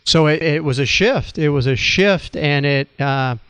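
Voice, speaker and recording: A man hosting an interview about retirement money, talking in a measured, thoughtful way with frequent restarts. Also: on the high side, a bit bright, smooth, dry recording. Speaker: host. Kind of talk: conversational interview on retirement finance.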